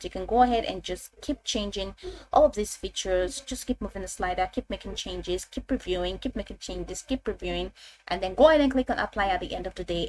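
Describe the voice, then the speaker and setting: In a casual, instructional tone, a woman walks through a software tutorial step by step and often says the same phrases again. Her pitch is medium, and there's a slight hiss or hum.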